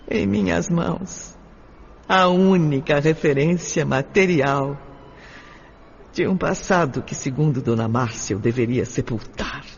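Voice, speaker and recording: An actress playing a melancholic, wounded adopted orphan girl in an emotive, deliberate radio soap style. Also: medium pitch, slightly rough. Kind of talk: dramatized radio soap monologue and dialogue. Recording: slightly dull, long reverb, music behind.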